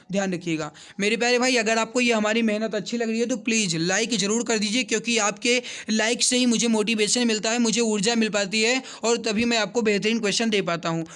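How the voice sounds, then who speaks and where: A man's voice: sits high, fairly bright tone, smooth. A man teaching an online exam coaching lesson, walking through questions, repeating answers for emphasis and addressing viewers directly.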